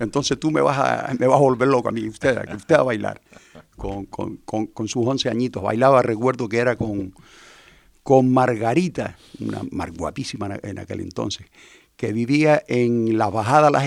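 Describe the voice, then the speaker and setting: Here a man has a normal speaking voice at a medium pitch. His pitch varies an ordinary amount and his pace is moderate. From Canary Islands, Fuerteventura (Puerto del Rosario). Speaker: festival speaker and timple musician. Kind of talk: casual interview.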